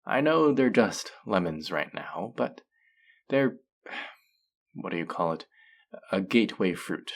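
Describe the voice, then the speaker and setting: A man's voice: sits low, animated, takes it slowly, creaky, pauses often, full character voice. A man playing a teasing, sardonic, flirtatious male faerie in a scripted audio roleplay. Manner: sardonic, teasing, drawling with sighs.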